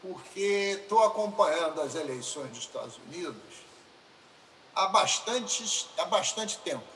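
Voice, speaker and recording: A man with a Brazilian Portuguese accent giving a formal, deliberate speech in a legislative chamber, addressing a colleague formally. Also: high-pitched, animated, a bit bright. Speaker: state deputy. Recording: roomy chamber sound with faint hiss.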